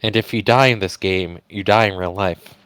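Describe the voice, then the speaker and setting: A man's voice: low-pitched, steady tone, moderate pace, fairly bright tone, smooth, dry recording, poor audio. A man doing casual commentary on a group game stream, mixing script reading with wry, dry asides. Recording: game music behind the voice.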